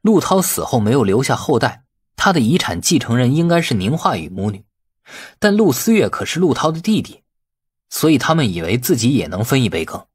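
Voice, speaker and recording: A man's voice: medium pitch, big pitch swings, brisk, breathy edge. A man voicing a brash, irritable, defensive man who grumbles colloquially in an audiobook. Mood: explaining. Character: brash, irritable man in a family inheritance feud. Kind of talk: audiobook character acting.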